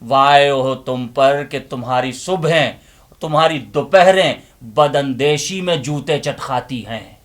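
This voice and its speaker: A man voicing mankind's anguished inner conscience in a theatrical, reproachful dramatic monologue, declaiming with drawn-out phrases and rhetorical questions. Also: on the high side, a bit bright.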